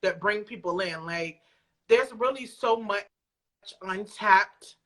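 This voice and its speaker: A woman's voice: medium pitch, slow pace, sharp tone. A woman chatting as an interview guest, speaking in an emphatic, playful, slangy way. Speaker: guest, audio drama creator. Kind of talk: casual conversational interview.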